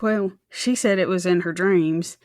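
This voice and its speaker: A woman's voice: on the low side, unhurried, darkish tone, dry recording, clean studio sound. A woman co-hosting a true crime podcast, telling the story in a chatty, informal way with wry, joking asides. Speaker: podcast co-host presenting the case.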